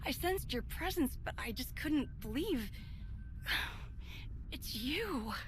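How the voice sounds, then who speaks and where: A woman's voice: high-pitched, animated, takes it slowly, slight background noise. An actress playing an earnest young Jedi who speaks sincerely to her old master.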